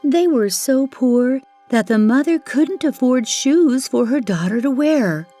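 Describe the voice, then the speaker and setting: A woman narrating a children's fairytale as a storyteller, with expressive delivery and dramatic, drawn-out emphasis. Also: high-pitched, faint music behind.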